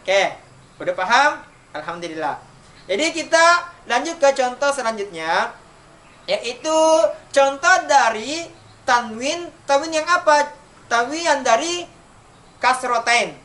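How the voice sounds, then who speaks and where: High-voiced man teaching recitation, slow chanted examples. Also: expressive, bright, forceful tone. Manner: asks questions and answers them himself, chants examples slowly. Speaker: elementary school Quran recitation teacher. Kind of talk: online tajwid lesson for children. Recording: distant mic, faint background noise.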